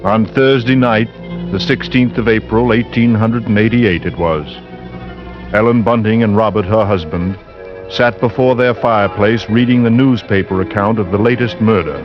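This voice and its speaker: A man narrating an old radio drama in a grave, deliberate way. His voice sits low, with music clearly underneath. The broadcast sound is dull and old.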